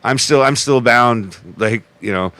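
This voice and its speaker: A man's voice: medium pitch, unhurried, bright, forceful tone, no echo. A man in his forties, a podcast guest in casual chat, rambling with restarts and profanity. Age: 40s.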